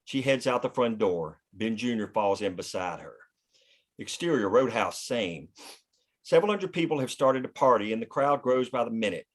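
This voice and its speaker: A man's voice: medium pitch, animated, normal speed. A man reading scripted stage directions as the narrator of a screenplay table read.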